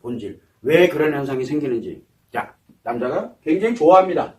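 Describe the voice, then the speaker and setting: This psychology lecturer speaks briskly in a darkish voice on the high side, with big swings in pitch. He quizzes the audience and answers his own questions, and he's recorded somewhat far from the mic.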